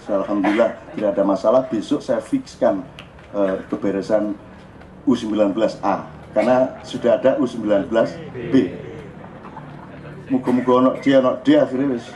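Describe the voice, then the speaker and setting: A man with an East Javanese accent giving a casual spiritual talk to a gathering. He is animated and joking, and slips into Javanese. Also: lowish voice. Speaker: religious speaker. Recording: dull lo-fi live recording with faint noise.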